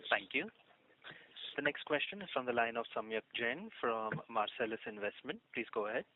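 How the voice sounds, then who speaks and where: A man's voice: medium pitch, expressive, normal speed. A man moderating a conference call in a formal, scripted style. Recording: muffled, narrow phone line.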